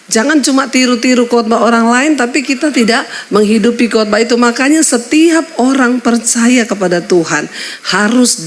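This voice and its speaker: A middle-aged woman pastor preaching a sermon in church, telling stories with sudden high exclamations.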